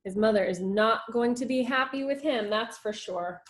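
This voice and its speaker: A woman's voice: fairly high pitch, normal speed, a little hiss or hum. A woman teacher reading a children's storybook aloud expressively, with little asides about the pictures. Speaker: schoolteacher reading to her class.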